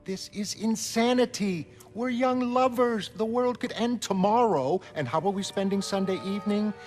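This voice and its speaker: Sarcastic young heroine, high and sharp, man plays her, music behind. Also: moderate pace, close to an everyday voice. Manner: sarcastic, scoffing.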